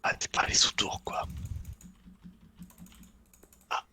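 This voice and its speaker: Sharp, hissing male gamer whisper. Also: slow pace. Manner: slangy, brief remarks with mild swearing. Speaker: gaming duo partner and guest. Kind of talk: whispered casual gaming chat.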